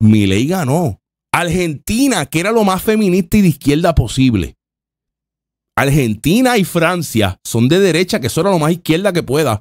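Against a quiet background, a man speaks at a moderate pace in an animated tone, his pitch swinging very widely while his loudness stays very even. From Puerto Rico. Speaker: political commentary podcaster; livestream host. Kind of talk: reaction commentary on a video, casual. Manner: animated, sarcastic interjections. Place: studio. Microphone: studio mic.

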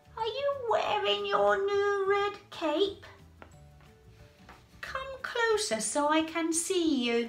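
In a put-on character voice, a woman speaks at a very slow pace with long, frequent pauses. Music plays clearly in the background. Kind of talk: children's story read-aloud. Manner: sweet, falsely kind.

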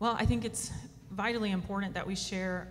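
Music plays in the background as a woman speaks in an American accent. Her pitch is fairly low. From US South. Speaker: military veteran. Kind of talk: testimony. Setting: church. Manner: halting. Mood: earnest, emotional, reflective. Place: church. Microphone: handheld.

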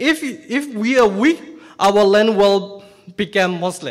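In a Burmese accent, a high-pitched man speaks at a very slow pace with lively intonation against a quiet background. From Myanmar. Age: young. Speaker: human rights specialist. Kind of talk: conference presentation. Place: hall. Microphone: podium.

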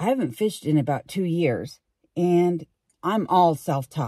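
A woman with a dark, mellow tone speaks at a moderate pace, the sound dry with no echo and the background quiet. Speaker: vlogger. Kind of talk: casual vlog chat. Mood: relaxed, self-deprecating. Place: car.

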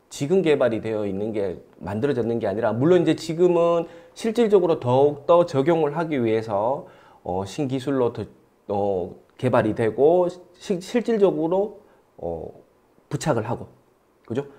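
The dark, mellow tone moves at a fairly slow pace with very wide pitch swings. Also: man. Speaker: university professor, elevator lecturer. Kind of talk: lecture. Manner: animated, gets excited while lecturing.

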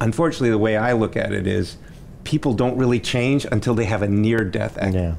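With light background noise, a man speaks at a fairly quick pace and medium pitch, his loudness very even and his pitch variation ordinary. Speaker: panelist. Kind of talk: panel discussion. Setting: stage with audience. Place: cafe. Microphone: headset.

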